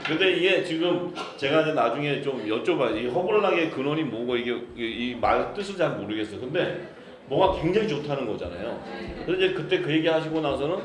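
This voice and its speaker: 경상도 억양의 남자 목사, 울리는 교회 설교. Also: male voice, fairly high pitch. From Busan. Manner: jovial, laughing often, then solemn scripture reading. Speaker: pastor. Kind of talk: sermon. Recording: echoey church hall with congregation. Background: congregation answering amen.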